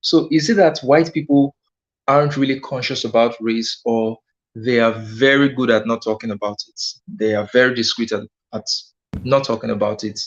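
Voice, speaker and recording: A man hosting a discussion, asking measured, probing questions. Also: mid-range voice. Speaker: host. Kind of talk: discussion host. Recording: dull lo-fi sound.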